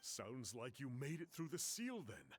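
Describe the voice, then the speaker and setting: An actor playing a friendly young tribal guide in a video game. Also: male voice, mid-range voice, sing-song, a little slow, husky. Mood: welcoming.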